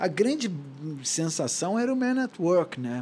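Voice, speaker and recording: Amid noticeable background noise, a man with a high pitch speaks at a fairly slow pace with very wide pitch swings. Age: 60s. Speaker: rock guitarist. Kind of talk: casual interview.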